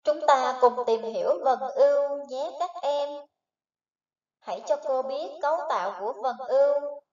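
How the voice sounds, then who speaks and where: A woman teacher giving a slow, patient phonics lesson to young children, spelling out sounds one syllable at a time. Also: sits high, a little mellow. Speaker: primary school teacher. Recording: echoey, distant, dull recording.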